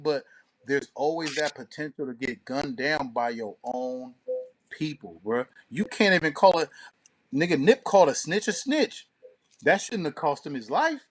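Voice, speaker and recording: A man with a somewhat high-pitched voice talks casually as a show co-host. He is opinionated and emphatic, leaning on street slang and swearing freely. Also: lively intonation, moderate pace, breathy edge.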